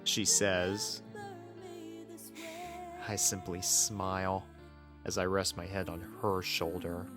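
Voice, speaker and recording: A man's voice: low-pitched, flat delivery, slow, long pauses, over music. A man reading a first-person story as scripted narration, in an earnest, sentimental manner. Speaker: fan fiction reader.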